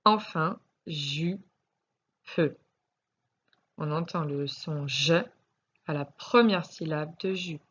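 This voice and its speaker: Woman, French accent, primary teacher, slow unhurried delivery, patient, syllable-by-syllable, dull lo-fi sound. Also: low-pitched, a bit bright, slightly rough. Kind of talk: recorded spelling lesson correction.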